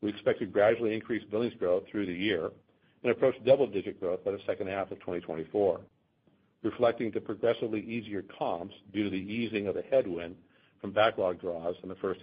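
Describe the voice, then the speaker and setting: A man reading a scripted earnings call presentation as a company executive, in a formal, measured manner. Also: lowish voice, slightly rough. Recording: dull, band-limited conference call audio.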